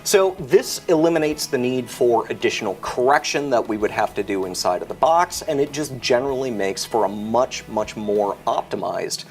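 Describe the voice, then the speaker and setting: Animated man explaining technical gear. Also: mid-range voice, moderate pace, few pauses, soft background music. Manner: articulate, methodical explainer. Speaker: technical product expert.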